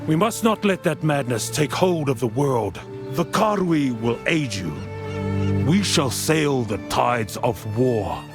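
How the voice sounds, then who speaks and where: A man's voice: medium pitch, lively intonation, takes it slowly. A man playing a proud, remorseful tribal warrior chief in a fantasy game, solemn and earnest. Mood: ashamed, resolute. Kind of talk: dramatic fantasy game acting. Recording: music under the voice.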